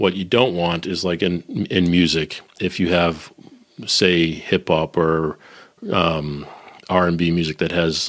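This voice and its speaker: A man's very deep, low voice with an American accent, at a fairly slow pace and with fairly even intonation. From Boston, US. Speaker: podcast host and audio engineer. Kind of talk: casual chat.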